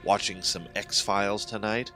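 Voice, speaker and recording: Man acting a deep, sardonic military desk clerk. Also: steady tone, a little slow, sharp tone, soft background music. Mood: mocking amusement. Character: amused, dismissive male military switchboard secretary.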